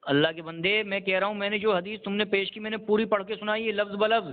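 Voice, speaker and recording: Insistent high-voiced mufti on a phone line. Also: male voice, level tone. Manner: insistent, lecturing, repeats himself. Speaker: mufti debating a caller. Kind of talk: heated religious phone debate.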